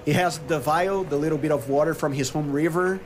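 A man improvising his character's story as a player in a tabletop role-playing game, halting as he searches for words. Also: on the high side. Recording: clear background noise.

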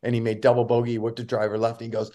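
A man's voice: mid-range voice, rapid-fire. Profane storytelling man. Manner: profane, storytelling, animated impressions. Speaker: podcast co-host and tour caddy. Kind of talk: casual podcast banter.

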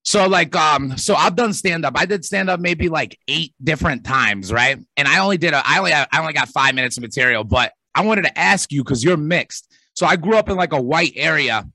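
Bright-toned blunt man saying "bro". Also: a little high, lively intonation, a little fast, hardly any pauses, no room sound, rough recording. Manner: blunt, profane, says "bro" a lot. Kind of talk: casual podcast chat.

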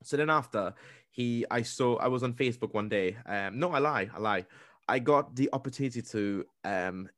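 A man in his thirties from Trinidad with a Trinidadian accent, telling stories in a casual podcast chat, talking fast and restarting his sentences often. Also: medium pitch, a bit bright, no echo. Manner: fast, rambling, with many restarts.

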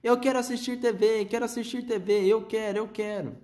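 A man voicing a tiny, spoiled boy with a thin, squeaky little voice in a read-aloud story. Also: fairly even intonation, fairly quick, a little mellow, close to an everyday voice. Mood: tantrum.

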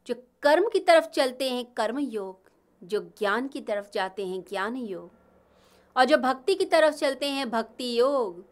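Slow-preaching woman giving a devotional talk. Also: fairly high pitch. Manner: slow, measured preaching with rising and falling emphasis. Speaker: spiritual speaker. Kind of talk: devotional discourse.

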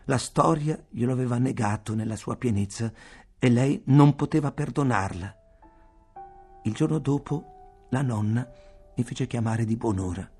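A man reads a novel aloud for radio in a measured, expressive storytelling manner. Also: mid-range voice, slightly rough. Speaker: reader. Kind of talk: literary reading for radio.

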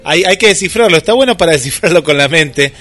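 A man's voice: on the high side, expressive, quick pace, fairly bright tone. A man with an Argentine Rioplatense accent hosting casual radio chat, thinking aloud with plenty of fillers. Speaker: radio host.

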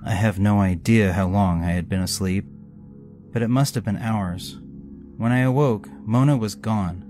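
A man's voice: on the low side, normal speed. Somber male horror story narrator. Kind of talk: scripted narration. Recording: narration over music.

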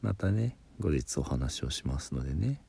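A man's voice: a bass voice, sing-song, normal speed, gravelly, warm tone, breathy edge, no echo. A man teaching pronunciation in a patient spoken lesson, explaining step by step and demonstrating sounds.

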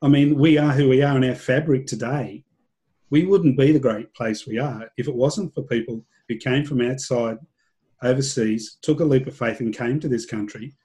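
A man hosts an interview podcast and asks his guest easy questions between reflective asides. His voice is dark and mellow, sitting in a middle pitch. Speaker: podcast host. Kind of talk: interview hosting.

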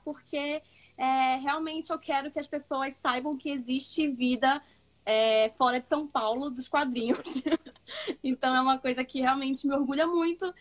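High-voiced Manaus woman, chatty. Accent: northern Brazilian (Manaus). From Manaus, Amazonas, northern Brazil. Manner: chatty, laughs often, many fillers and restarts. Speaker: comics editor, guest. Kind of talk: casual interview chat.

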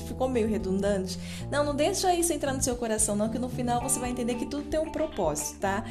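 Chatty Brazilian woman hosting a podcast. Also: fairly high pitch. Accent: Brazilian Portuguese. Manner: chatty, with frequent fillers and tag questions. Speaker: podcast host. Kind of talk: casual Christian podcast chat. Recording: faint background music.

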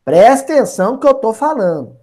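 Animated man teaching scripture. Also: very high voice, brisk. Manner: animated, talks directly to listeners, acts out quotes. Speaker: spiritist Bible study teacher. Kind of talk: conversational lecture.

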